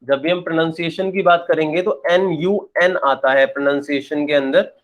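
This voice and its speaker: A man's voice: fairly high pitch, fairly even intonation, moderate pace. A young man teaching an English grammar lesson, repeating points and answering his own questions. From India. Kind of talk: classroom-style lesson, explaining and checking.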